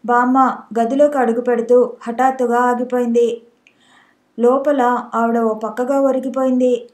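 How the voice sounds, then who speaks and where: A woman's voice: a little high, little pitch movement, unhurried, a little mellow. A woman narrating a novel as an audiobook, reading steadily and evenly.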